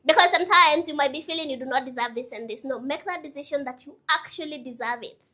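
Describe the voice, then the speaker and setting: Bright-voiced, high young woman coaching. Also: quick pace. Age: 20s. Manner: earnest, coaching, repeats advice, chatty asides. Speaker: motivational vlogger. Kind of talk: casual motivational talk to camera.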